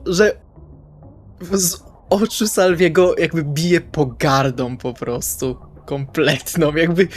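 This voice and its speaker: A man speaks as a player in a role-playing session. He has a conversational delivery and narrates what his character does in casual, improvised phrases. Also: a little high. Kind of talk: casual describing of own character's actions.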